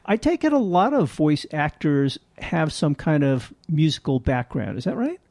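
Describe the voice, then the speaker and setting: Gravelly, lively male interviewer. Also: on the high side, normal speed, no echo, studio quality. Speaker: interview host.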